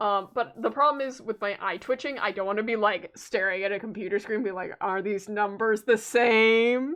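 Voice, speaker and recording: A woman talks at a moderate pace with a Canadian accent, her pitch fairly high. She hardly pauses at all. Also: ordinary pitch variation. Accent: Canadian, slightly stronger than usual. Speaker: gaming streamer. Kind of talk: casual chat. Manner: loud.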